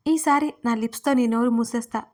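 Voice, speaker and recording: Woman reading as a smug bossy young boss, teasing and domineering, storybook romance figure, fairly high voice. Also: a little fast, a little mellow, close to an everyday voice.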